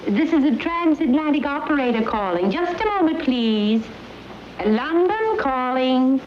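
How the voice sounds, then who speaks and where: Brisk official phone operator, high and singsong, vintage sitcom. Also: female voice, animated. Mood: officious. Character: fake transatlantic telephone operator, brisk and official. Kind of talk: 1950s sitcom acting. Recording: muffled, roomy vintage TV soundtrack.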